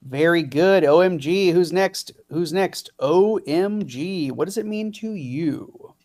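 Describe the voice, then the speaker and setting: A man hosting improv games, hesitant and full of drawn-out fillers. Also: on the high side, a little mellow. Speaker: host.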